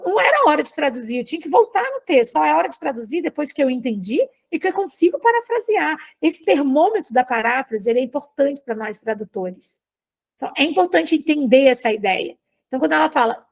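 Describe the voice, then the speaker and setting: A woman with a Brazilian Portuguese accent teaching an informal lecture, explaining with chatty examples and asides. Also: high voice.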